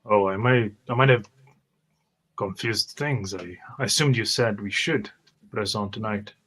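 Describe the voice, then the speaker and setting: Husky low-voiced man in roleplay. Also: unhurried, fairly bright tone. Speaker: tabletop roleplay player. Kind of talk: in-character improvised roleplay.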